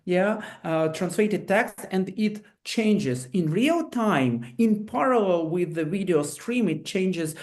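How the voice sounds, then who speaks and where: A man's voice: high voice, expressive, slow pace, hardly any pauses. A man who is not a native English speaker, explaining technology on a webinar panel over a video call, hesitant and full of restarts. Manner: hesitant, many fillers and restarts.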